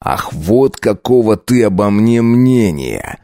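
A man playing a cold, domineering male vampire count who talks in a slow, clipped, hissing way. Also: fairly low pitch, big pitch swings, mellow, no room sound, studio quality, heavily acted. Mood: menacing.

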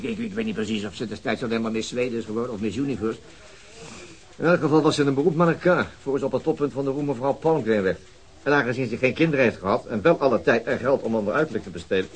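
A man's voice: mid-range voice, close to an everyday voice. An actor playing an easygoing, dryly amused male detective in a naturalistic radio drama, with an informal, hesitant way of asking questions.

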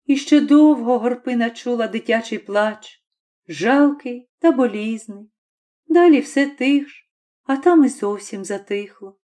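A woman reading a classic short story aloud in an unhurried, mournful storytelling manner. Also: fairly high pitch, warm tone. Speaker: audiobook reader. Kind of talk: scripted narration of a classic story.

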